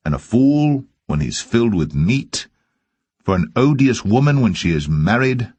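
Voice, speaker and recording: A man reading scripture aloud as solemn narration, with measured and deliberate phrasing. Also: sits low, husky, no echo. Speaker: Bible reader.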